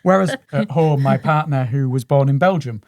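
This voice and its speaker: Halting man co-host, dry mic. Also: mid-range voice, darkish tone, dry recording. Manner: halting, hesitant, conversational. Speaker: podcast co-host. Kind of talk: podcast interview.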